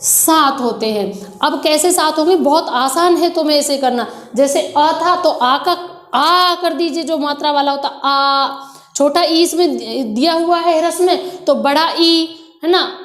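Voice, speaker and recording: A woman's voice: sits high, measured pace, a bit bright, echoey room. A woman teacher patiently explaining Hindi grammar for an exam, calling her students children and mixing in English words. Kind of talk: exam-prep grammar lesson.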